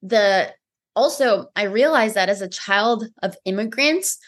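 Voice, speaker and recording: A woman's voice: medium pitch, a little slow. Earnest woman, podcast guest. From United States. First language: Romanian. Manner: earnest, animated storytelling with acted-out inner dialogue. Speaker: mindset coach, guest. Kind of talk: conversational podcast interview.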